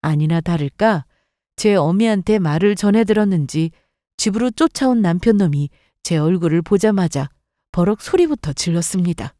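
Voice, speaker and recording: Woman narrating a bitter story, mellow tone. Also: fairly low pitch, animated, moderate pace, no room sound, clean studio sound. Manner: bitter, resentful telling. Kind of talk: scripted first-person story narration.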